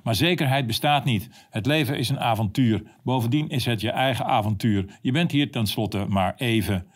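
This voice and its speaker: A man's voice: medium pitch, normal speed, breathy edge. A man reading his own opinion column aloud, sarcastic and combative.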